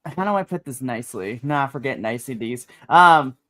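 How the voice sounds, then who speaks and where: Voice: mid-range voice, lively intonation, moderate pace, a bit bright. A podcast co-host talking casually about wrestling over a remote streaming call, chatty, laughing often and trailing off mid-thought.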